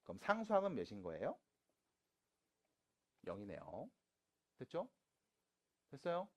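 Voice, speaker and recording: 활기차게 설명하는 남자 수학 강사. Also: male voice, mid-range voice, wildly swooping pitch, a little slow. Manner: casual, teasing, mixes polite and plain speech with students. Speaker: math teacher at a cram school. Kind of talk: classroom lecture. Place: classroom.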